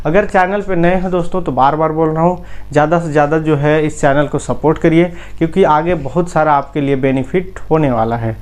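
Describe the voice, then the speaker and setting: High clear-voiced male Hindi quiz teacher. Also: steady tone, brisk, a little mellow. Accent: Indian Hindi. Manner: repeatedly asks the audience, then gives the answer. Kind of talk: exam quiz lesson.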